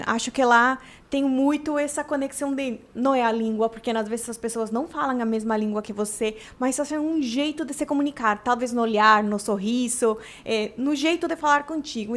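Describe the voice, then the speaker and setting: A woman from Mexico with a Mexican Spanish accent, a native Spanish speaker, talking as a podcast guest in a casual interview. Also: high-pitched. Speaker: podcast guest, business consultant.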